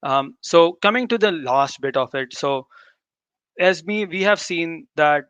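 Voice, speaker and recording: A man's voice: on the high side, unhurried, fairly bright tone, clear, resonant tone, no echo. A man whose native language is Urdu gives an informal live tech demo, often repeating and rephrasing himself. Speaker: tech presenter. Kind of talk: live demo talk to developers.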